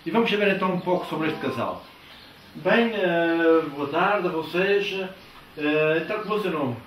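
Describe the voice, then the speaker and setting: An older man interviewing a couple in a living room, asking slow, hesitant, friendly questions into a handheld mic. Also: fairly high pitch, animated, a bit bright. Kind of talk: casual TV interview. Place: living room of a house, indoors. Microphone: handheld microphone. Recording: roomy, distant, faint background noise.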